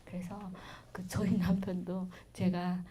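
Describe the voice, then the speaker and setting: A middle-aged woman with a regional Korean accent giving a parenting lecture, telling stories in a chatty way that swings between loud bursts and soft asides. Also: lowish voice, little pitch movement, slow pace, slight background noise. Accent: Korean regional dialect.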